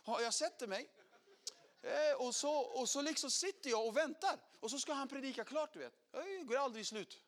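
A middle-aged man with an extremely high-pitched voice recounts how he converted, delivering it as a sermon testimony. He performs the quotes with animation, swinging between loud and quiet.

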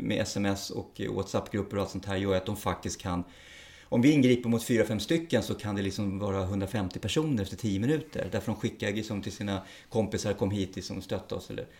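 A man's voice: on the low side, a little mellow. A middle-aged man, a police officer, speaking frankly and plainly in an interview, with some swearing. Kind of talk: interview conversation.

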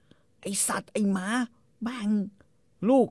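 Shrieking pregnant wife, a man doing a high voice, cursing, wild swings in pitch, dry close sound. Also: huge pitch swings, unhurried, sharp tone, dry recording, heavily acted. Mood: raging. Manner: shrieking insults. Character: furious pregnant young wife, shrill and cursing.

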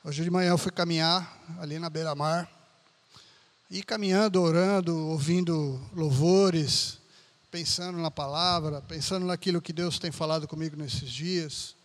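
High-voiced man preaching conversationally. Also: fairly even intonation, normal speed. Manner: conversational preaching with frequent tag questions. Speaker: pastor. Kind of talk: sermon.

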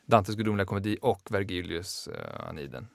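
A man's voice: low voice, huge pitch swings, vocal fry, no room sound, clean studio sound. A man hosting a podcast discussion, curious and asking his guests questions. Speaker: host.

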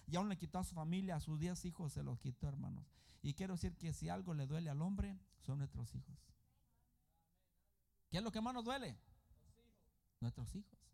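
A man preaching a sermon as pastor, emphatic and swinging between loud and soft as he keeps calling out to his congregation. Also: a little high, gravelly.

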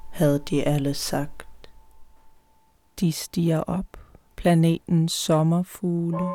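Langsame, dunkle Frauenstimme, poetisch rezitierend. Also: female voice, sits low, gravelly, dark tone. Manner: measured, poetic reading. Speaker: reader. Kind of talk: literary recitation for an audio play.

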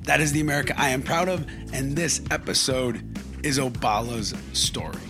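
A male podcast host delivers a scripted intro in a mid-range voice, speaking earnestly and directly to his listeners. Clear music plays underneath him throughout. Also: medium pitch, normal speed. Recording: voice over music bed.

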